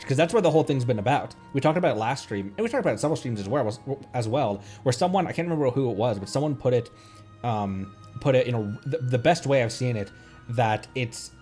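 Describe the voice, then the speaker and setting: A man's voice: medium pitch, darkish tone. A man giving casual livestream commentary on a game, playfully thinking aloud. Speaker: streamer.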